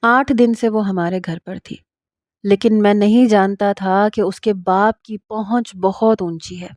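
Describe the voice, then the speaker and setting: A woman narrating a first-person story in a steady, even reading voice. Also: mid-range voice, no echo, studio quality.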